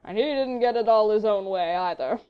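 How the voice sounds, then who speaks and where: A lazily jovial English baronet from a storybook, all affected drawl and hearty bluster, played by a woman reader. He booms his lines with an old-fashioned swagger. The recording sounds a touch dull. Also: brisk, clear, resonant tone, natural voice. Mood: boisterous.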